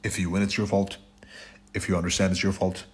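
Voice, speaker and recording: A very deep-voiced man gives a blunt trading lecture over slides, and his voice has gone raspy and hoarse from a sore throat. He keeps driving his points home with short repeated phrases and a habitual "right?". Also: level tone, brisk. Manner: blunt, repeats "right?" and "it's your fault". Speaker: trading instructor.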